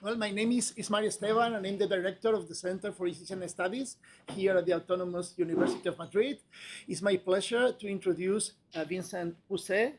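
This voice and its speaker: A man introducing a guest speaker in a university lecture room, talking haltingly with lots of "you know" and restarts. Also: high-pitched, fairly even intonation, a little hiss or hum. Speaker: event host introducing speaker. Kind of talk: informal spoken introduction.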